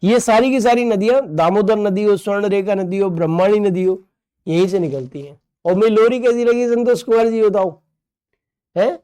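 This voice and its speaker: A man leads an online exam-prep lesson in a high but mellow voice. He jokes along with students' comments, then drills terms by repeating them and asking quick questions. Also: smooth. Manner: playful, joking with students' comments. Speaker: teacher.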